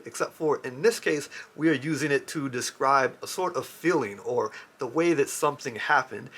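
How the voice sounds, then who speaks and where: A man with an African American Vernacular English accent hosting a lesson, telling stories in a slangy, expressive way. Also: mid-range voice. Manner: slangy, expressive, acts out stories with sound effects. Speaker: host of a language lesson series. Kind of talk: animated explanatory storytelling to camera.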